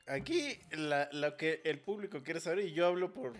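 A man's voice: on the high side, expressive, moderate pace, faint music behind. A man who teases and jokes as co-host of a casual podcast. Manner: teasing, joking. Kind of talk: casual chat.

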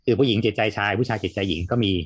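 A man hosting a casual podcast chat, explaining ideas in a rapid, chatty flow. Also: lowish voice, slightly rough, no echo, clean studio sound. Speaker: host.

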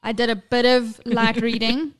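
Woman, thirties, podcast co-host, sweary casual chat, slightly high voice. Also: flat delivery, normal speed. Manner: chatty, sweary, laughs often.

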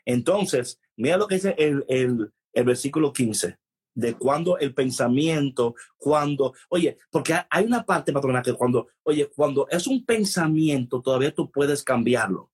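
A man co-hosting a casual Bible discussion, animated and full of restarts, mixing English phrases into his Spanish. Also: mid-range voice, measured pace, husky. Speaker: co-host of a Bible talk show.

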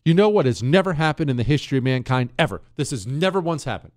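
A man's voice: medium pitch, expressive, quick pace. A man hosting a talk radio show, ranting in mock outrage and teasing his co-host. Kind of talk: opinionated talk radio monologue.

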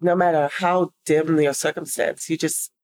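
A woman's voice: low voice, fairly even intonation, moderate pace, darkish tone. A woman from Jamaica, a sales professional speaking as a guest in a conference room, picked up by a recorder laid on the table.

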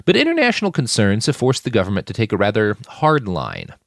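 A man's voice: lowish voice, wildly swooping pitch, fairly quick, creaky, a bit bright, no room sound, clean studio sound, exaggerated voice. A man voicing a stern, zealous middle-aged preacher who leads a smuggling ring, speaking in a grandiose sermonizing way. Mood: cold.

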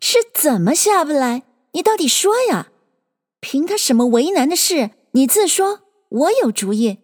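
A woman voicing a bold, impatient young swordswoman who speaks briskly and bluntly. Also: high voice, sing-song, big-room sound, voice pushed up. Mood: exasperated. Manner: brisk, scolding, forceful.

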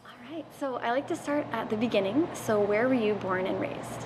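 Higher-voiced woman interviewer, eager and exclamatory. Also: normal speed, background noise. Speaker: podcast host, interviewer. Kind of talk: casual interview. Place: outdoors in a city.

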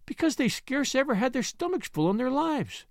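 A man's voice: very high voice, sing-song, moderate pace, creaky, no echo, clean studio sound, voice pushed up, exaggerated voice. A man voicing a talkative, good-tempered young housemaid with homely, outspoken speech in an audiobook. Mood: chatty. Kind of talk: audiobook character voice.

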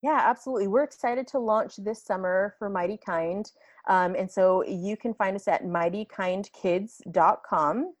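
A woman in her thirties, a podcast guest chatting casually, laughing often and quick to get animated. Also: medium pitch, no room sound. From United States. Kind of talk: casual interview chat.

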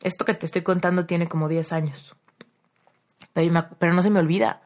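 Mexican woman host, somewhat low voice, chatty reflective monologue, personal anecdotes with repeated phrases. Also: steady tone, fairly quick, a little mellow. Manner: storytelling, repeats phrases for emphasis. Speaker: podcast host and life coach. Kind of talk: casual reflective podcast monologue.

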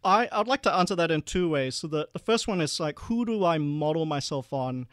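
A man explaining earnestly, slightly high voice. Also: expressive, a little fast, a bit bright, dry recording, clean studio sound. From Malaysia. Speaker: guest, investment manager. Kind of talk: interview answers.

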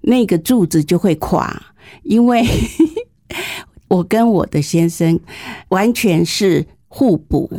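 Mellow woman in her sixties, southern Taiwanese accent. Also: fairly low pitch, slow, dry recording, clean studio sound. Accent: southern Taiwanese Mandarin. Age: 60s. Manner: candid, self-deprecating, humorous. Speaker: interview guest, teacher. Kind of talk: conversational personal storytelling.

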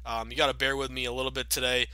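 Bright-voiced man hosting a sports podcast. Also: medium pitch, flat delivery, rapid-fire, clean tone, no echo. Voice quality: upbeat, chatty with many fillers. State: sick with a cold, a bit raspy. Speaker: podcast host. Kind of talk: casual sports betting podcast monologue.

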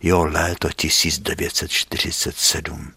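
An older man in his seventies, a painter in his studio, telling childhood memories in an unhurried, musing way that often drops to a soft whisper. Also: rumbling low, flat delivery, creaky, slightly rough, no room sound. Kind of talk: reminiscing storytelling.

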